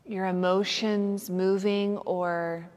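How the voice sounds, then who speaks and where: A woman teaching yoga nidra, guiding a meditation in a soothing, gentle manner with unhurried pauses. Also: medium pitch, level tone. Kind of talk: guided meditation instruction. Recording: long hall-like reverb.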